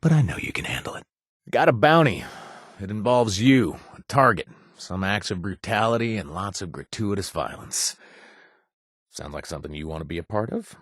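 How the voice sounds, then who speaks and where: A man playing a roguish, flirtatious wasteland companion in a video game, husky and sometimes breathy, with a hesitant, teasing, conversational drawl. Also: fairly low pitch, animated, moderate pace, no room sound, studio quality. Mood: sly, conspiratorial.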